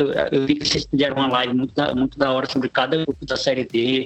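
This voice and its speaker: Noticeable background noise sits behind the voice. A man speaks in a fairly high pitch. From Acre, Brazil. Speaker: podcast host. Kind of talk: casual interview chat.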